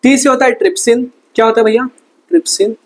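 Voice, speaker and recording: A man teaching a fast exam revision lesson, casual and chatty, asking quick questions and answering them himself. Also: very high-pitched, animated, vocal fry, low-quality recording. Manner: quizzes himself with quick call-and-response questions. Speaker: science tutor.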